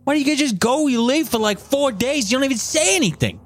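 A squeaky foul-mouthed goblin. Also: male voice, animated, fast talker, soft background music. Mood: cocky griping. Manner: loud, swearing, whiny and demanding. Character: foul-mouthed small male goblin, brash and hotheaded.

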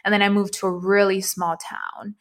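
A woman's voice: mid-range voice, little pitch movement, moderate pace, fairly bright tone. A young woman from Venezuela co-hosting a podcast, chatting casually and thinking aloud in a reflective way. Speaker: podcast co-host. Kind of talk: casual chat.

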